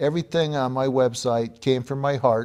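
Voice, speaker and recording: A man's plain, everyday voice with an American accent, medium pitch, fairly even intonation and a moderate pace. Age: 60s. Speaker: congressional candidate. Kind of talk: interview.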